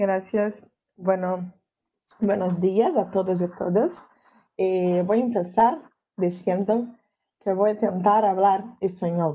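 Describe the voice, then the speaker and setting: At a very slow pace with long, frequent pauses, a woman speaks at a medium pitch with fairly even intonation and very even loudness. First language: Portuguese (speaking Spanish). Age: 30s. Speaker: history professor and researcher. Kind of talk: lecture.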